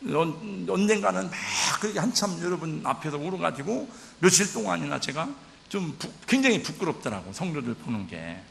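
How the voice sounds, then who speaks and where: A man's voice: fairly high pitch, sing-song, moderate pace, vocal fry, hardly any pauses, fairly bright tone. An older man, a pastor, preaching a sermon in a church with vivid, emotional storytelling. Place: church sanctuary. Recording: church hall reverb.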